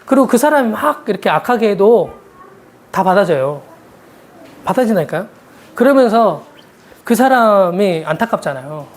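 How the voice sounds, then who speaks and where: A woman's voice: medium pitch, a little mellow. A woman preaching a sermon in a conversational, storytelling way, posing rhetorical questions to her listeners.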